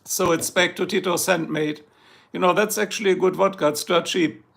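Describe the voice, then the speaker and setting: A hoarse middle-aged man with a German accent, his voice heavily gravelly and a touch higher than most men's. He rambles and jokes with his livestream viewers in a loose, chatty way. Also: fairly even intonation, normal speed, a bit bright. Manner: joking, chatty, reads out viewer comments. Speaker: livestream host. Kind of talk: rambling casual chat with viewers.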